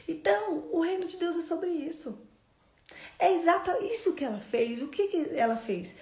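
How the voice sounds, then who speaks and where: A woman's voice: very high-pitched, expressive, normal speed, darkish tone, echoey room. A woman preaching a sermon with storytelling, asking her listeners questions and repeating key phrases. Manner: asks the audience many questions.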